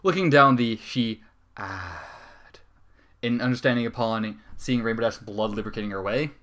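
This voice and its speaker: A man's voice: on the low side, normal speed, a bit bright. A man reading a comic fan story aloud as a dramatic narrator. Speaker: story reader.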